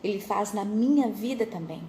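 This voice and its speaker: Mellow-voiced Brazilian woman telling a faith story. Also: mid-range voice, animated, normal speed, a little hiss or hum, rough recording. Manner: conversational, addresses listeners directly. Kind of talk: religious storytelling.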